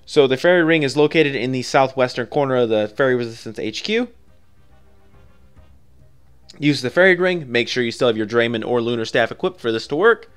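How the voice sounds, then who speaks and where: A man's voice: medium pitch, animated, quick pace, few pauses, clean tone. A man narrating a step-by-step video game guide in an informal, offhand, conversational way.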